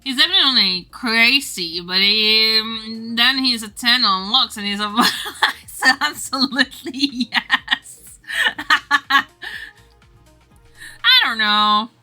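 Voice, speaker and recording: Bright, high-voiced woman chatting on stream. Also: slow pace, pauses often, soft background music. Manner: giggly, rambling, animated teasing. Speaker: streamer drawing game art live. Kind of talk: casual livestream chat with viewers.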